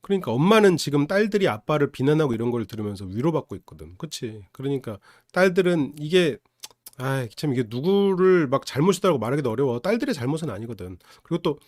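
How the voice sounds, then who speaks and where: A man speaking as a counselor, with a voice a touch higher than most, unpacks a situation in a casual, explanatory way. He often checks in with rhetorical questions. The sound is dry and close, with no room echo. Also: a little mellow. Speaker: psychology counselor and show reviewer. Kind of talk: casual analytical commentary.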